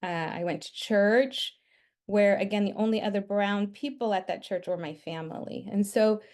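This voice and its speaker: A woman's voice: mid-range voice, normal speed, darkish tone. Woman telling stories in a webinar. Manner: reflective personal storytelling. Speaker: webinar presenter. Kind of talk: storytelling webinar talk.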